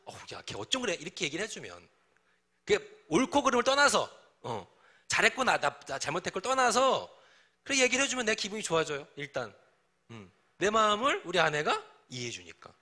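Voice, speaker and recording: Middle-aged male pastor, bright voice pitched a little high, chatty and teasing sermon delivery. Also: sing-song, fairly quick. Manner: conversational, teasing, acts out quoted dialogue. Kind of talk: sermon to young adults.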